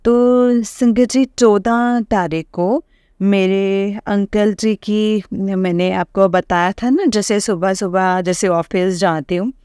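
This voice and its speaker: A middle-aged woman sharing a personal testimony with a congregation, halting and full of pauses and fillers, addressing her listeners respectfully. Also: mid-range voice, warm tone, clear, resonant tone, no echo, clean studio sound.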